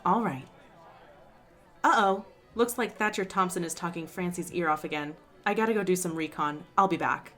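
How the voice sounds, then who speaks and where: A woman's voice: lowish voice, moderate pace, fairly bright tone, close to an everyday voice. A woman playing a teasing, pushy, upbeat best friend in a fiction podcast, talking casually and playfully.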